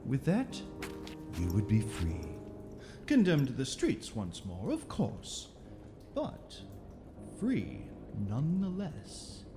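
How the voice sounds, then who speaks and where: An actress playing a cruelly amused, sinister mage inquisitor with a theatrical, drawling, condescending manner in an audio drama. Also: female voice, rumbling low, huge pitch swings, slow pace, full character voice. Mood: silky menace. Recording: long echoing reverb, music underneath.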